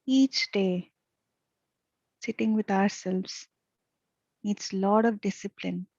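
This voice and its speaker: A woman leading a guided meditation as a teacher, speaking softly and soothingly with long pauses. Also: mid-range voice, steady tone, dry recording, lo-fi sound. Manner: soft, gentle, soothing delivery with long pauses.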